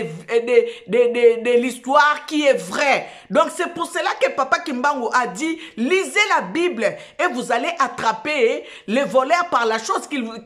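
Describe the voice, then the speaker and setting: A woman hosts her own show, speaking in a slow and emphatic way. She repeats herself and restarts phrases as she preaches. Her voice sits a little high. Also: a bit bright. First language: Lingala. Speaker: host of an online show. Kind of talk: preaching talk show monologue.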